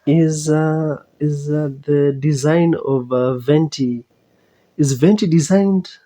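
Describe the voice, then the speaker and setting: A reaction host giving casual commentary in a hesitant, halting way, often repeating phrases. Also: medium pitch, fairly even intonation, dark tone.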